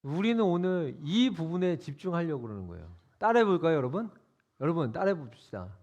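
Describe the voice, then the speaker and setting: A male youth pastor preaching in a church sanctuary. He keeps it casual and interactive, tossing questions to the teens. His voice sits high and moves around a lot. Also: sing-song, a little fast, a little mellow, dull audio. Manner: conversational, quizzing listeners.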